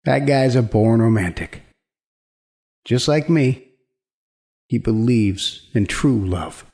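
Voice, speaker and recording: A man's voice: mid-range voice, lively intonation, slow, a little mellow. An actor playing a menacing, violent man who poses as a romantic suitor in a horror audio drama. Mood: pleading, insincere.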